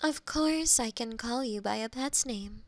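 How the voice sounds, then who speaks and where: Woman playing a slow, measured AI girlfriend companion. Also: fairly high pitch, no echo. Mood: polite, helpful. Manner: formal, measured, robotically helpful. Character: polite female AI girlfriend companion, literal, eager to please. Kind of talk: scripted roleplay audio, ASMR. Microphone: close binaural microphone.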